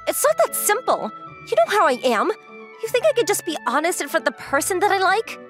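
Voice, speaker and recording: Assertive, secretly lovestruck young woman, played by an actress, lively and blunt, manga romcom over light music. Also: extremely high pitch, brisk, heavily acted. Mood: defensive, bashful. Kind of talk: manga dub acting.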